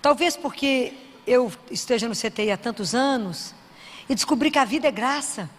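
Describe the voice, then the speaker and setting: High-voiced woman preaching in a hall. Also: moderate pace. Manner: asks the audience questions, acts out prayers in a softer voice. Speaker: Christian speaker. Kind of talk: sermon.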